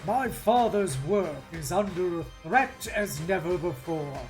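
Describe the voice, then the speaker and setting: A woman takes on a resolute male military commander in a dramatic novel reading. The delivery is solemn and declamatory, with slow pacing and wide swings in pitch. Faint music sits behind the voice. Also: animated, darkish tone. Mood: grave. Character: Dorn, grave resolute male warrior commander. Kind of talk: dramatic novel read-aloud.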